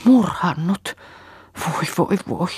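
A woman's voice: on the low side, animated, darkish tone, husky, dry recording, pitched above the performer's own voice. A woman voicing a distraught, guilt-stricken young peasant woman who pleads and wails between sobs. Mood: wailing despair.

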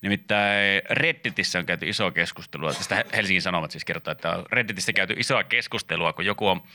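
Low-voiced guy on radio reading out a web news bit, kinda wry. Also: sharp tone, a little hiss or hum. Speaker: radio host. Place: radio studio.

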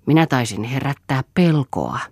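A woman reading the part of a dead old grandfather appearing in a dream, calm and reassuring. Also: a bass voice, breathy edge, no echo, full character voice.

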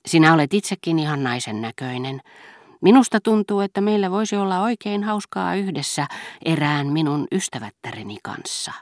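A woman's voice: low-pitched, lively intonation, no echo, clean studio sound, pitched above the performer's own voice. A woman voicing a capricious, teasing young actress in an audiobook, in a coy, mocking manner.

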